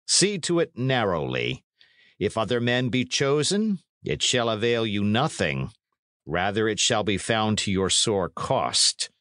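Storybook villain: commanding male knight, played by a man, deliberate pace, dry menace, cold mockery. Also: on the low side, very animated, fairly bright tone, no echo. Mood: commanding, threatening. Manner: dry, commanding, archaic speech. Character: menacing, coldly mocking middle-aged knight and lord.

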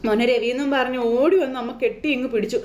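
A woman retells the plot of a TV serial in a lively, chatty voice that sits high. Her narration is heard with a roomy echo. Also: fast talker, a little hiss or hum. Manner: lively, conversational. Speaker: storyteller.

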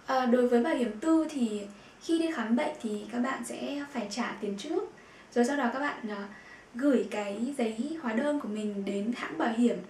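A woman with a fairly high voice teaches vocabulary in an echoey room with faint noise behind her. She says each term slowly, repeats it, and fills her pauses with soft hesitation sounds. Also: recorded from a distance. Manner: repeats words slowly and clearly, with frequent filler sounds. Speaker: German language teacher. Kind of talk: vocabulary lesson.

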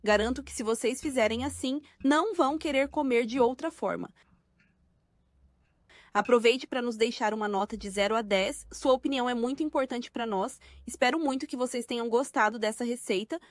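A Brazilian woman with a high voice narrates a step-by-step recipe from a script. The sound is close and very dry, with no room around her. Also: fairly quick, no echo. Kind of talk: scripted cooking tutorial narration.

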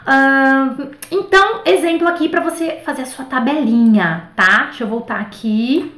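A woman's voice: sits high, normal speed, echoey room. A Brazilian woman giving a casual, chatty online French lesson, peppering her talk with little fillers. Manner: chatty, animated, many fillers like tá and né. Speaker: French teacher.

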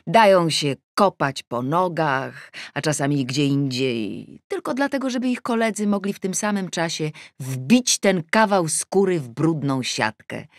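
A woman's voice: deep voice, no room sound, studio quality. Wry woman narrating an audiobook. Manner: wry, ironic storytelling. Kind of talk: first-person audiobook narration.

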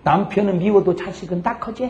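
A middle-aged man preaching a humorous revival sermon to a congregation, lively and joking, swinging from loud shouts to soft asides. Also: high voice, fairly quick, muffled recording. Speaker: pastor. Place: church sanctuary before a congregation.

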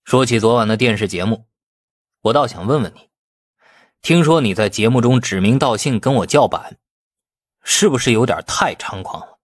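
A man's voice: medium pitch, animated, normal speed, pauses often, no room sound, clean studio sound, lightly acted. A man voicing a stern middle-aged police chief in an audiobook, questioning with patient, insinuating manner. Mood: stern, sarcastic.

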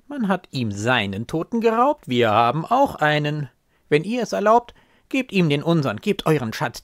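A man reciting a ballad while voicing an old female nurse who wheedles and urges, with his voice pushed high. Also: no room sound, clean studio sound. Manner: wheedling, urgent.

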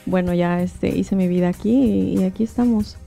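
A woman in her thirties from Guanajuato, Mexico, talks as a guest on a small studio program. Her voice is warm and mellow, and she speaks in a friendly way with a slight nervous edge. Faint music sits behind her. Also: mid-range voice, fairly even intonation, moderate pace, gravelly. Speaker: interview guest. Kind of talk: casual conversation. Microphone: handheld mic.

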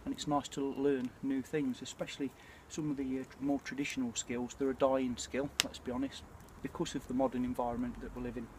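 A man's voice: medium pitch, flat delivery, fairly quick, few pauses. British man chatting over outdoor noise. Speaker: bushcraft vlogger. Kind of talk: casual reflective chat to camera. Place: outdoors at night by a small campfire. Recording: clear ambient noise of an outdoor campfire.

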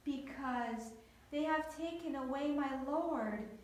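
A woman's voice: sits high, takes it slowly. A woman voicing a grieving young woman who pleads tearfully for her lost friend. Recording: echoey church hall.

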